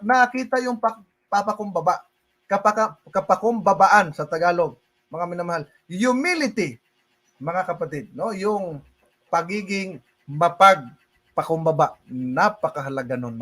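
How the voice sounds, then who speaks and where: A high-pitched male preacher with a Filipino accent delivers a casual livestream sermon. He slides between Tagalog and English, laughing easily and warmly addressing his listeners as brothers and sisters. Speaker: pastor.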